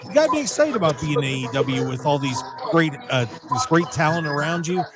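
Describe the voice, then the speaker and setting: A man's voice: a little high, expressive, a little fast. A man hosting a radio interview outdoors by a pool, asking friendly questions with lots of uh and you know. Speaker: radio show host. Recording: outdoor poolside with loud music behind.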